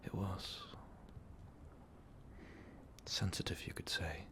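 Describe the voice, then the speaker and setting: A man playing an ancient, brooding vampire overlord in an intimate ASMR roleplay, speaking in a weary, halting, breathy whisper. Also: fairly even intonation. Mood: vulnerable, reluctant. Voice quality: breathy, gravelly low whisper. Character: ancient, brooding male vampire overlord, tormented former rebel.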